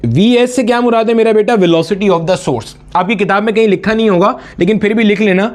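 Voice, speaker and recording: A man's voice: high voice, fairly even intonation, quick pace. A man teaches a physics exam-prep lecture. He explains each step, asks the class questions and answers them himself. He calls his students "beta" in a familiar, fatherly way.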